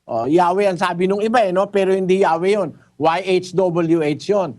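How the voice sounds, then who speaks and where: A man's voice: sits high, moderate pace, a little mellow. A man, a preacher giving an emphatic, corrective Bible lecture to a caller, repeating his points and switching into English.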